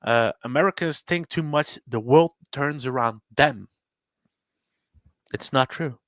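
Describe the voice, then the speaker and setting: Man, halting delivery, close dry sound. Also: mid-range voice, fairly bright tone, dry recording. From Belgium. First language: Dutch. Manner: halting, repeats and restarts words. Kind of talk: casual podcast chat.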